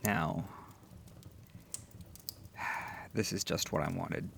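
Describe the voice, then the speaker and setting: A man playing a gentle, affectionate boyfriend in an intimate ASMR comfort roleplay, speaking softly, tenderly and reassuringly. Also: deep voice, steady tone, gravelly, slight background noise, full character voice. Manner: soft, tender, unhurried, reassuring.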